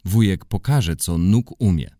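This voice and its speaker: A man's voice: sits low, expressive, unhurried, dark tone, no echo, clean studio sound, pitched above the performer's own voice. A man voicing a small boy who proudly talks about dogs in a children's storybook reading. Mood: eager.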